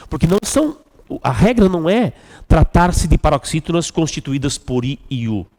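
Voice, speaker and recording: A Brazilian man teaches an exam review class, walking through each answer patiently and checking in with "tá bom?". His voice moves up and down a lot and sounds mellow rather than bright. The room rings with a long echo. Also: fairly high pitch. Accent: Brazilian Portuguese. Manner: explains step by step, asks "tá bom?". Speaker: Portuguese teacher.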